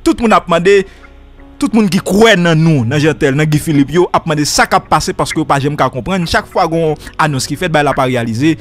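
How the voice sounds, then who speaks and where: A man's voice: a little high, quick pace, soft background music. A man hosting a radio interview, setting up long questions with rising emphasis. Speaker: radio host.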